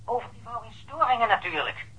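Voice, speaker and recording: An actor playing a chatty, apologetic policeman heard as a raspy telephone voice in a radio drama. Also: very high-pitched, expressive, brisk, sharp tone, dull audio, full character voice.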